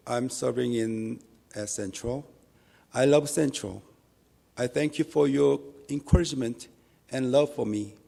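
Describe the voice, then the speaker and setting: Delivering a church testimony in English, a lay minister with a Korean accent speaks slowly and carefully at medium pitch. His mellow voice has a gravelly edge, and he sounds earnest and halting, occasionally restarting phrases.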